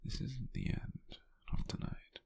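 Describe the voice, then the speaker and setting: A British man playing a gentle, doting, softly teasing lover in an intimate, breathy, gravelly ASMR whisper, speaking slowly and soothingly. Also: lightly acted. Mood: tender, teasing. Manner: slow, soothing, with soft pauses.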